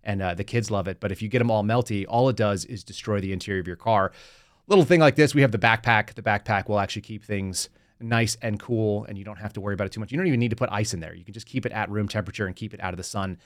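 A man's voice: lowish voice, quick pace, no echo, studio quality. A man hosting a political podcast in a brash, casual way, reading ads and interviewing a guest. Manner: brash, casual, punchy ad reads. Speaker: podcast host.

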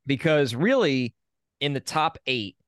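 A young adult man co-hosting a podcast in a casual sports chat. He sounds opinionated and reels off facts in a steady run. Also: mid-range voice, measured pace, dry recording, studio quality. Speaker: podcast co-host.

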